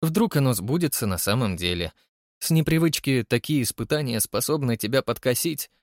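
A man voicing a calm, sensible young woman who talks patiently with gentle teasing, in an audiobook reading. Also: medium pitch, moderate pace, dry recording, clean studio sound, close to an everyday voice. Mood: warning.

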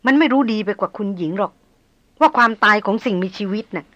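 A woman voicing a calm, steady male master hunter. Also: mid-range voice, no room sound, dull audio. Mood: calm explaining. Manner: measured, patient explaining.

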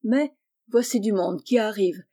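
A woman reading aloud, voicing a kind and wealthy male painter who speaks gently and reassuringly, like a father. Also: medium pitch, unhurried, lightly acted. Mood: tender.

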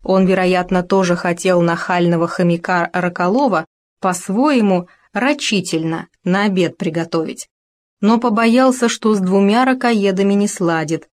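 A woman's voice: fairly low pitch, moderate pace. Woman reading a storybook aloud. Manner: lively, expressive reading. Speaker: narrator. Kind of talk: storybook narration.

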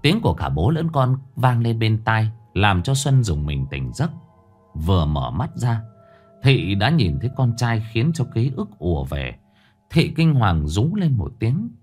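A man narrating a ghost story in a dramatic, expressive way. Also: fairly low pitch, unhurried, breathy edge, faint music behind.

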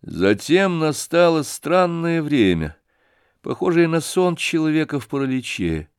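A man narrating an audiobook in a measured, dramatic reading. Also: on the high side, big pitch swings, smooth, no room sound, studio quality. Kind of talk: scripted narration.

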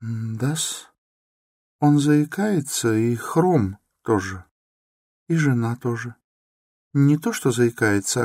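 A man voicing a timid, meek young woman who pleads softly and grows breathless in distress. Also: mid-range voice, slightly rough, dry recording, clean studio sound, pitched above the performer's own voice, heavily acted.

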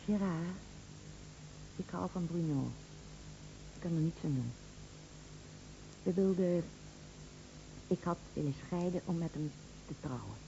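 An actress playing a passionate, troubled unfaithful wife who confesses hesitantly and earnestly in a radio drama. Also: female voice, on the low side, unhurried, vocal fry, pauses often, warm tone. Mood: regretful, pleading. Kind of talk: Dutch radio drama acting. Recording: dull lo-fi radio recording, faint hum.

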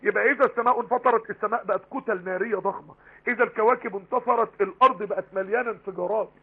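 A man with an Egyptian Arabic accent giving a live online Quran lesson, talking rapidly and emphatically with many rhetorical questions. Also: high-pitched, husky. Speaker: Quran teacher. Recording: tinny phone-line broadcast.

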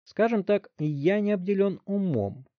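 A man's voice: medium pitch, expressive, a little fast, dry recording, natural voice. A man voicing a sarcastic, brash thirteen-year-old boy in an audiobook story, on a dry, slightly dull recording. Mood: mocking. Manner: sarcastic, brash, yelling taunts. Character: cocky 13-year-old boy with a smart mouth.

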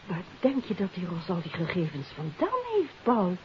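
An actress playing a detective's curious, poised wife in a 1950s radio drama. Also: female voice, lowish voice, sing-song, normal speed. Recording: muffled 1950s radio recording with hiss.

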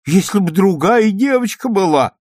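A man's voice: fairly high pitch, animated, darkish tone, dry recording, clean studio sound, pitched above the performer's own voice, close to an everyday voice. A man voicing a fussy, anxious old grandmother who grumbles and scolds in a storybook reading. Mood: alarmed. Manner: grumbling, fretful, quick to scold.

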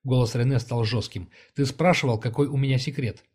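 A man narrating a fantasy novel as an audiobook, in an even, measured reading style. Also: mid-range voice, husky.

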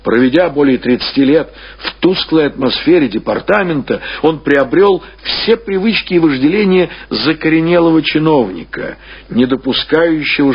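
A man reading classic prose as a narrator, in an expressive, deliberate storytelling style with drawn-out phrases. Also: medium pitch, slightly rough, lo-fi sound. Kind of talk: scripted literary narration, audiobook or radio reading.

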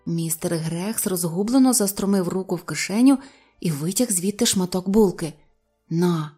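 A woman reading a novel aloud as an audiobook narrator, in an even storytelling manner. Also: fairly low pitch, normal speed, breathy edge, soft background music. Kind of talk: scripted narration.

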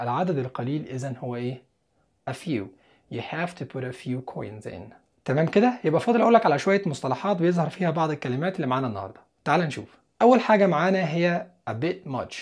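A man with an Egyptian Arabic accent teaching an English grammar lesson, asking the listener questions and answering them himself, and repeating English examples slowly. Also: on the high side, darkish tone. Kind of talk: explanatory lesson.

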